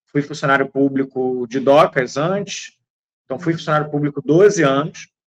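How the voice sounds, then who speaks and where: A man with a Carioca accent speaks at a moderate pace with a fairly high pitch. The sound is dry and close with no echo. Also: ordinary pitch variation. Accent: carioca Brazilian Portuguese. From Rio de Janeiro, Brazil. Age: 30s. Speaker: political marketing professor. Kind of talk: interview.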